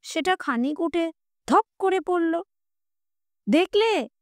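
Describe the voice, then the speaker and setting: Slow high-voiced woman reading a story. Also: expressive, no room sound, studio quality. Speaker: story reader. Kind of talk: scripted narration.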